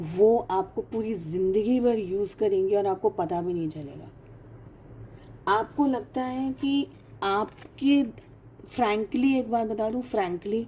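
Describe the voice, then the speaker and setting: A woman's voice: medium pitch, mellow, slight background noise. A woman giving a casual tarot reading, speaking emphatically, repeating phrases for stress and mixing English phrases into her talk. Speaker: tarot reader.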